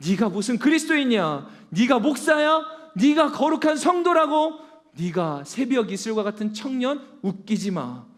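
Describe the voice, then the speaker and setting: A man's voice: extremely high pitch, very animated, normal speed, pitched above the performer's own voice. A man voicing a male devil who mockingly jeers at and accuses the listener. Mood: sneering. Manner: mocking, contemptuous jeering.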